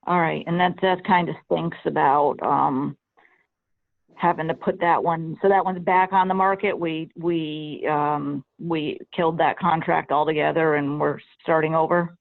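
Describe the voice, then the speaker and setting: A committee chair with a gravelly, creaky voice talks hesitantly, circling back with repeated okays and small restarts. The line is thin and tinny, like a phone call. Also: mid-range voice, fairly even intonation, a little slow. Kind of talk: committee meeting discussion.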